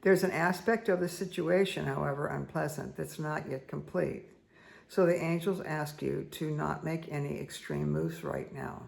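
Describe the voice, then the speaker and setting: Hoarse middle-aged woman, heavy vocal fry, slow repetitive spiritual card-reading delivery. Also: low-pitched, darkish tone. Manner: slow, soothing, repetitive guidance with asides. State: hoarse, croaky voice. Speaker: spiritual reader and meditation guide. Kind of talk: casual spoken card reading.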